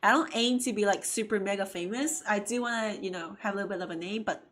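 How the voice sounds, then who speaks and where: A woman's voice: mid-range voice, fast, fairly bright tone. A woman with a Cantonese accent, chatting casually and ramblingly with her viewers as a game streamer. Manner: chatty, rambling, often laughing. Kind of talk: casual gaming-stream chat.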